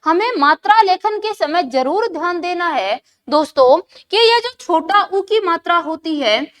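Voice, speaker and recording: A woman tutor teaching an exam-prep lesson, her high voice rising and falling a lot. She keeps posing questions and answering them herself, and repeats key words to drive them home. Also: lively intonation, measured pace, a bit bright.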